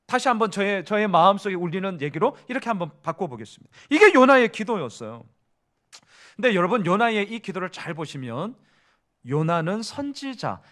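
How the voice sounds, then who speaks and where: A male pastor preaching a sermon in a church, animated and full of rhetorical questions. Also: sits high.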